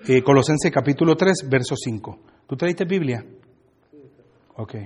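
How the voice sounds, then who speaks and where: Joking Puerto Rican pastor in a reverberant hall. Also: male voice, mid-range voice, animated, a little slow, darkish tone, breathy edge. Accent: Puerto Rican Spanish. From USA (Brooklyn), Puerto Rican family. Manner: joking, talks back and forth with the congregation. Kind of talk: conversational sermon. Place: church hall.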